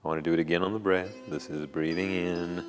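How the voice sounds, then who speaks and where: A middle-aged man teaching a yoga class, giving slow, soothing cues timed to the breath, on a clip-on mic in a studio. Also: deep voice, fairly even intonation, in a large hall, faint music behind. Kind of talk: guided yoga class instruction. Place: indoor yoga studio with bare walls. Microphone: small clip-on lapel mic.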